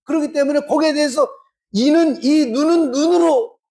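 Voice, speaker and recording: A man's voice: extremely high pitch, a little mellow. A male pastor preaching a sermon in a church, acting out little exchanges to make his points. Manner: slow, drawn-out preaching with acted-out dialogue. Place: church sanctuary.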